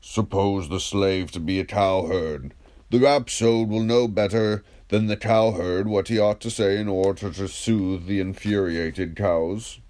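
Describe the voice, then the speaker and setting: A low-voiced man voices a patient, ironic philosopher who probes with questions in a dramatised dialogue. He keeps a steady, darkish tone and a measured, declamatory manner.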